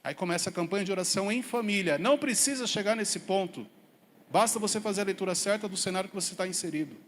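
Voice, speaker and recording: A man preaching a lively sermon as pastor to a church congregation, asking his listeners pointed rhetorical questions. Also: sits high, a little hiss or hum. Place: church service hall. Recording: long hall reverb.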